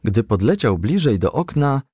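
A man narrating a children's storybook as a gentle, lively storyteller. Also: mid-range voice, moderate pace, slightly rough, dry recording, studio quality.

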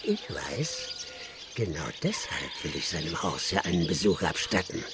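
An actor playing a drunken, mocking, lecherous village squire and colonel in a German radio play. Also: male voice, low-pitched, sing-song, moderate pace, background noise. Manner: sneering, swaggering, swinging from murmurs to shouts.

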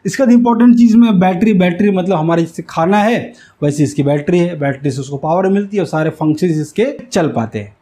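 High-pitched man teaching. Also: a little fast, few pauses, warm tone. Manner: didactic, repeatedly checks understanding. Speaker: instructor. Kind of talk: explanatory whiteboard tutorial. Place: small indoor room with whiteboard. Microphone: lapel mic.

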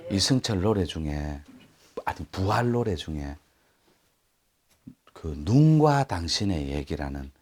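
Lively lecturing man. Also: low voice, slow, long pauses. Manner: animated, acts out quoted speech, addresses listeners directly. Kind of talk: live lecture to an audience.

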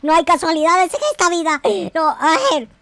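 A naive little boy character from a Minecraft roleplay. The voice is very high and childlike. He stammers, repeats himself and exclaims excitedly, all in a dry recording. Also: normal speed, dry recording. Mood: panicked. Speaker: gaming YouTuber. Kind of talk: improvised Minecraft roleplay commentary.

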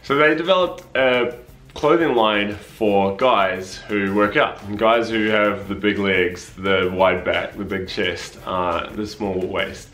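A man's voice: on the low side, slow, faint music behind. Chatty man in an echoey room. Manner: chatty, relaxed, many fillers. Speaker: vlogger. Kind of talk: casual product review. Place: living room indoors.

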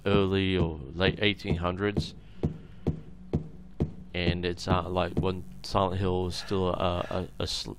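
Aussie guy chatting over a game, deep croaky voice, kinda rambly, noisy mic. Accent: Australian. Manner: rambling, halting, trailing off into asides. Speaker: gamer recording a let's play. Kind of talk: casual gameplay commentary. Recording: noisy home recording with clicks.

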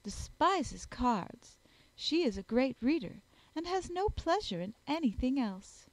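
A haughty young society lady, voiced by a woman narrator, full of catty disdain. Her affected, emphatic delivery swoops up high through an animated range, like a character in a period storybook, recorded dry and close. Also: a little slow, no echo, heavily acted, low-quality recording.

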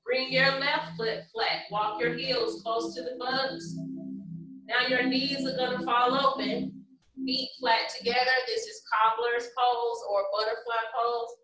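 A woman leading a guided yoga class as instructor, giving short, measured step-by-step cues and counts. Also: on the high side, bright, forceful tone. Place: large empty carpeted office room, indoors. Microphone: far camera across the room. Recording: echoey room, distant microphone, faint music.

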